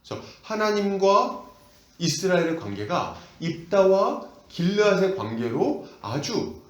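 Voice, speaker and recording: A man's voice: high-pitched, measured pace. A male pastor preaching an expository sermon and asking the congregation questions, in an echoey church hall. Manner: animated, asks the congregation questions.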